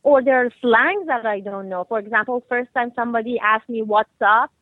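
A woman from Iran, a guest speaking over the phone, chatty and quick to laugh. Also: on the high side, no echo. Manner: laughs easily, eager and chatty. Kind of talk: phone interview. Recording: tinny phone line.

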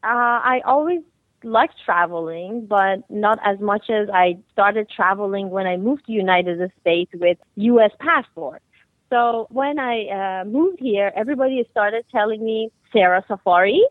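A woman from Iran, a guest speaking over the phone, chatty and quick to laugh. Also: mid-range voice, no echo. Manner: laughs easily, eager and chatty. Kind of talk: phone interview. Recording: tinny phone line.

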